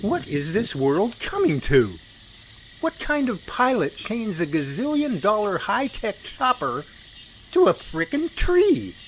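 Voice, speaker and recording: A man's voice: sits high, wildly swooping pitch, slow, full character voice. A man playing an incredulous, wisecracking helicopter crewman with exaggerated disbelief in an amateur audio drama. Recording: noisy radio-drama track with aircraft-like ambience.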